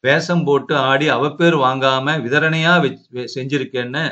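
A man voicing an angry, orthodox middle-aged son who shouts harsh, clipped words at his mother, on a dull lo-fi recording. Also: medium pitch, fairly even intonation, measured pace. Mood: furious.

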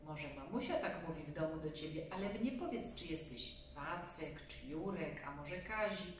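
A woman's voice: low voice, expressive, moderate pace. A woman voicing a friendly, patient policeman in a storybook, speaking kindly as if to a small child. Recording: echoey room, distant mic, faint hum.

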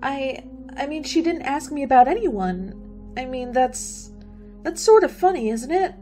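Woman acting timid young student, high lively voice, stammering, radio drama, faint music. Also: unhurried. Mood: puzzled. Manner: hesitant, stammering, easily startled. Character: anxious, timid young female college student.

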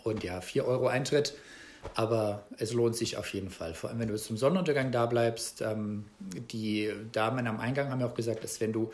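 A man in his thirties, talking casually to the camera from a small room at home, relaxed and chatty with many fillers and restarts. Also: medium pitch, a little fast. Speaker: travel vlogger. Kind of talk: casual travel vlog to camera.

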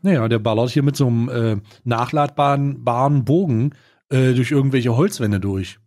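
A man's voice: mid-range voice, normal speed, a little mellow, dry recording, studio quality. A man co-hosting a casual podcast with a mock-formal, ironic manner. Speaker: podcast co-host. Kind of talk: casual chat.

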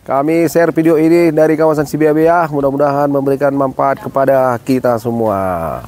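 A man in his forties hosting a casual travel vlog. He speaks in a friendly, unhurried way into a phone held at arm's length outdoors, and exclaims at the views. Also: mid-range voice, darkish tone. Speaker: travel vlogger. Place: outdoors by a lake.

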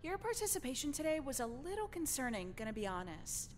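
A woman's voice: high voice, very animated, fairly quick, slight background noise. A woman playing a bossy, thin-skinned teenage girl in a video game who acts as class teacher, scolding and self-important. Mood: stern, scolding.

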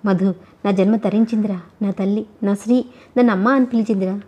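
A woman reading out the lines of an affectionate, gently teasing grandmother in an audiobook novel. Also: medium pitch, fairly even intonation, a little fast, breathy edge, muffled recording, natural voice. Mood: loving. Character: warm, doting grandmother, middle-aged woman.

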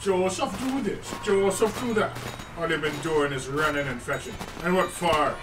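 A man's voice: on the high side, moderate pace, music in the background, close to an everyday voice. A man playing whiny henpecked Joseph. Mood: exasperated. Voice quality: whiny, exasperated. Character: henpecked put-upon husband Joseph, whiny. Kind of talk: comic radio drama. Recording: roomy, distant mic.

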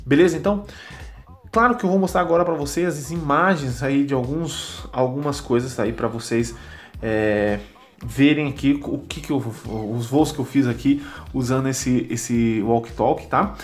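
A man's voice: mid-range voice, measured pace. A man with a Brazilian Portuguese accent explaining a product casually as a vlog host, chatty and often checking in with listeners. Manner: chatty, constant check-in tags. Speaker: drone channel host. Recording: loud wind and traffic noise.

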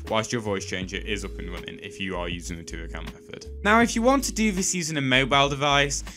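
Male tutorial narrator, scripted delivery, animated swings in pitch, emphatic phrasing, light music underneath. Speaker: tutorial host. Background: background music.

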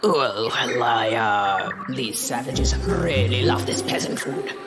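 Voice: mid-range voice, slow pace. A performer voicing a cunning pet cat in a cartoon, snooty, affected and self-satisfied, with music behind. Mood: smug scheming. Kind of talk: exaggerated cartoon dub acting. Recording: loud background music.

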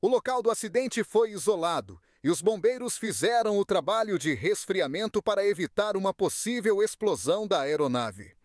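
A man's voice: high-pitched, dry recording, clean studio sound. A Brazilian man reading a scripted news report as a voice-over reporter.

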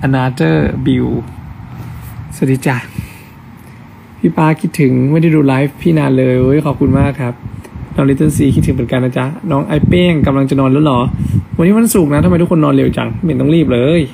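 A man's voice: medium pitch, fairly quick, gravelly, background noise. A young man on a casual live stream, chatting affectionately as he reads out fan comments. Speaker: actor hosting an Instagram live.

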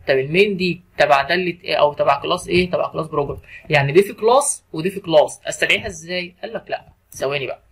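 Rapid, husky man teaching code. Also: high-pitched, a bit bright. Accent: Egyptian Arabic. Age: middle-aged. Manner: asks the class questions and answers them himself. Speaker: programming lecturer. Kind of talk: screen-recorded coding lesson.

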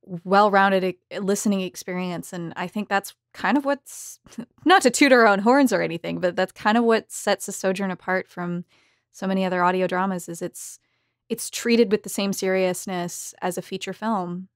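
A woman's voice: medium pitch, moderate pace, no room sound. Woman hosting a podcast, dry close sound. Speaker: podcast host.

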